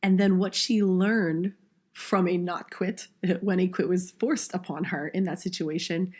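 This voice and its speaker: A woman hosting an interview podcast, hoarse and strained after losing most of her voice to allergies, chatty and quick to laugh at herself. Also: fairly low pitch, steady tone, a little mellow. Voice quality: strained, husky. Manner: laughs often, self-deprecating. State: hoarse, nearly lost voice from allergies. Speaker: podcast host. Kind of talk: casual interview chat.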